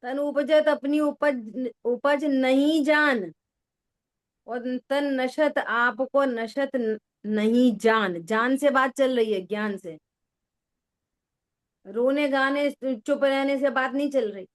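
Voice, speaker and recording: A woman's voice: sits high, slow pace. A woman giving a religious discourse to listeners, often asking whether they follow and repeating key words. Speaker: spiritual teacher. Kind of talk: slow religious discourse with listener check-ins.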